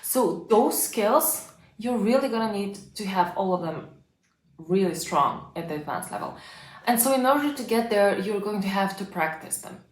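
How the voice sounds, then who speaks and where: A woman's voice: medium pitch, lively intonation, normal speed. A young woman with Bulgarian as her first language giving a casual, chatty lesson on language learning, full of fillers. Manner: chatty, lots of fillers like "like" and "you know". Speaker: language coach. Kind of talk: casual advice lesson to camera. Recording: echoey room.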